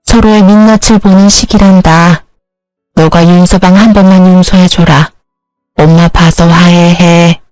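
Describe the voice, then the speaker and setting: A woman voicing a gentle, meek elderly mother who speaks in soft, apologetic, soothing words. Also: lowish voice, fairly even intonation, a little slow, dry recording, soft background music, close to an everyday voice, low-quality recording. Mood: consoling.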